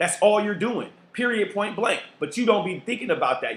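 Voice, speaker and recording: A man speaks loudly in an animated tone. Noticeable background noise runs under his voice. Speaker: talk show host. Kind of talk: casual monologue.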